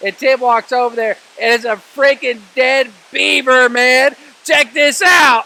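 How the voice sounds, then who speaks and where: Raised and projected, a man's extremely high-pitched voice with an American accent comes at a fairly slow pace, with a dry, close sound, no echo and noticeable background noise. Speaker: YouTuber. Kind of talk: vlog. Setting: outdoors. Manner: animated.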